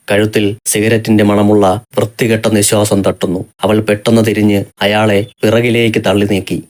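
Low flat-voiced male storyteller. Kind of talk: scripted narration.

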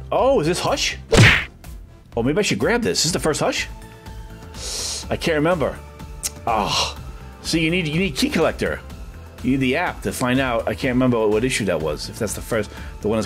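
A middle-aged man, casually narrating a walking vlog through a small comic shop, rambling with lots of filler words. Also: lowish voice. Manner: chatty, rambling, many "uh" fillers, excited when finding books. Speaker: vlogger touring a comic shop. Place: street, then a small comic shop indoors.

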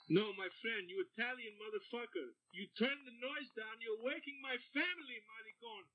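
A man playing a menacing foreign neighbor in broken English, crooning slow threats. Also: dull audio. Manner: low crooning threats, repeats "my friend".

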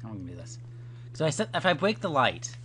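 A man's voice: on the high side, huge pitch swings, fast talker, bright, forceful tone. A young man chatting casually and thinking aloud as he plays a game as co-host of a let's play. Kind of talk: casual chat while gaming. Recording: clearly noisy home recording.

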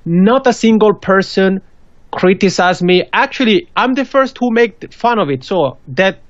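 In an animated, unhurried way, a Swiss man in his thirties with a high voice gives earnest advice in non-native, Swiss-accented English while appearing as a podcast guest over video call. The small indoor room and the studio mic with a pop filter produce a dull, dry recording.

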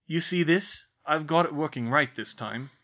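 A man's voice: fairly high pitch, normal speed, a bit bright, pitched above the performer's own voice. A man voicing a defiant teenage boy who talks in a firm, self-assured way. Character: defiant teenage boy wizard, calm and smug.

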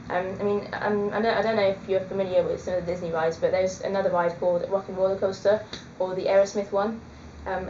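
A woman's voice: mid-range voice, a little mellow, slight background noise. A woman in her twenties chatting casually to her webcam, hesitant with many ums. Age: 20s. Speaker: vlogger. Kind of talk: casual chat. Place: small indoor room. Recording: echoey room, dull lo-fi webcam audio.

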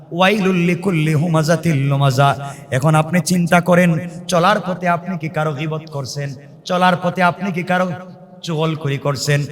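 A man delivers a waz sermon in a high voice, fervent and dramatic. He swings between quiet pleading and soaring chanted cries, and slips into sung recitation. The sound carries a long, echoing reverb, as from a big hall or a PA at a large gathering. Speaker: preacher.

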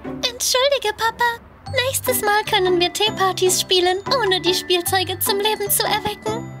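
A woman's voice: very high voice, moderate pace, music in the background. A woman voicing a cheerful, kind five-year-old girl in a dubbed children's cartoon.

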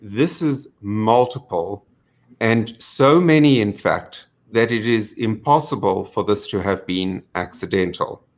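A middle-aged man on a video call from a home study, giving a measured, earnest account with frequent ums. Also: on the low side. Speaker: panelist. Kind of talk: online panel discussion.

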